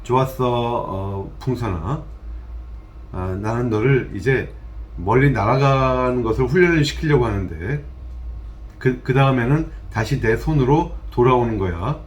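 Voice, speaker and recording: A man voicing a little girl from a comic strip who coaxes her balloon, speaking slowly in a gentle tone. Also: medium pitch, animated, distant mic, natural voice. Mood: coaxing.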